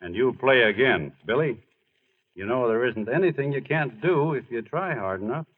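A modest, earnest baseball star in a 1940s radio drama. His voice is husky, plain-spoken and a little bashful. The recording sounds dull and old. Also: medium pitch, animated, normal speed. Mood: gentle, encouraging. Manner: plain-spoken, hesitant, understated. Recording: muffled old radio broadcast.

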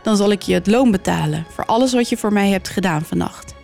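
A woman's voice: medium pitch, a little fast, vocal fry, a little mellow, soft background music, lightly acted. A woman voicing a restless male church ghost who gives firm instructions. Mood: commanding.

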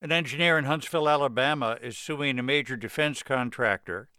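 A man hosting a radio news program, reading his script in an even, measured way. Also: medium pitch, no room sound, clean studio sound.

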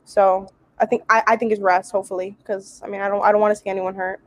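A woman's voice: mid-range voice, flat delivery, fast talker. A woman co-hosting a casual sports chat who talks in a chatty way, full of fillers.

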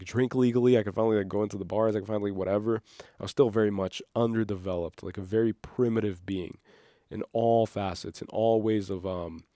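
A man's voice: on the low side, dark tone, no echo, studio quality. A man in his twenties hosting an unscripted podcast, talking in a rambling, reflective way with frequent fillers. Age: 20s. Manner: rambling and reflective, heavy use of "like". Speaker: podcast host.

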